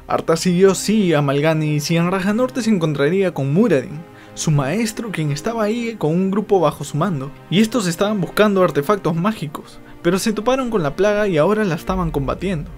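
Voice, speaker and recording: A man narrates game lore from a script. His voice sits somewhat high for a man. Faint music runs underneath. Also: animated, a little fast.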